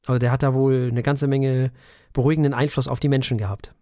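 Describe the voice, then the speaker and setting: A man's voice: medium pitch, level tone, quick pace, mellow, dry recording, studio quality. A man co-hosting a casual talk show, joking wryly and often breaking off his sentences. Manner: wry, joking, trails off mid-sentence. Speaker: podcast co-host. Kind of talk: casual chat.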